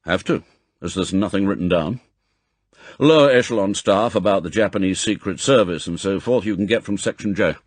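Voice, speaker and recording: Audiobook role: elderly male spymaster, done by a male reader, gruff, brusque, impatient, with a husky edge. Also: deep voice, fairly quick, dry recording. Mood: brisk, businesslike. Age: older. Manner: brusque, authoritative, clipped commands. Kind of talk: audiobook character acting.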